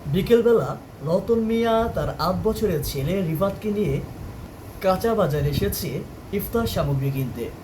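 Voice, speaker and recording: High-voiced male story narrator. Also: lively intonation, measured pace, background noise. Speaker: voice artist and narrator.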